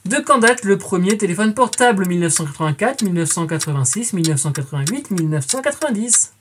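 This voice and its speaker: A woman's voice: medium pitch, lively intonation, fast, noisy background. A woman in her twenties hosting a scripted educational quiz, chatty and playful, calling her viewers friends and adding jokey asides. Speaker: quiz show host.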